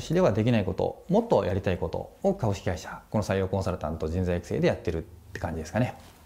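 A man talks at a very fast pace in a somewhat breathy voice, his dark, mellow tone moving through very wide pitch swings. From Japan, Hyogo (Asago); Hyogo, Japan. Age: 40s. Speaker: labor consultant and business owner. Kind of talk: career advice talk to students. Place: office. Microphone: lapel.

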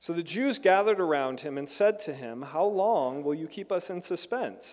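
The background is quiet while a man speaks at a moderate pace. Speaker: preacher. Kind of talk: sermon. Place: church. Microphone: handheld.

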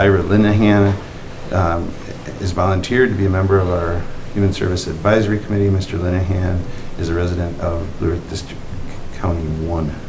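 A man with a very deep, low pitch talks at a fairly quick pace in a monotone, flat way, leaving long, frequent pauses. Noticeable background noise runs underneath. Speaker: county human services director. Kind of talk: public meeting presentation. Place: meeting room.

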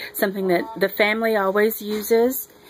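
Noticeable background noise surrounds a woman talking in a medium pitch. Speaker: home DIY vlogger. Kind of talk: casual tutorial. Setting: home laundry room. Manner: chatty, hesitant with fillers.

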